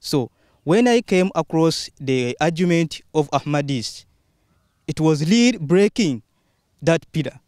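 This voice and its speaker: A man's voice: fairly high pitch, darkish tone, clear, resonant tone, dry recording, studio quality. A young man outdoors among an audience, earnestly telling a personal story into a handheld mic. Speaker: student in the audience. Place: outdoors among a seated crowd.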